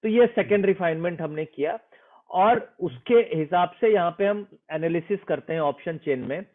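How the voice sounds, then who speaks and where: A man's voice: high voice, normal speed. A man explaining a trading method in an interview, earnest and persuasive, slipping English phrases into his speech. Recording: tinny phone-like sound.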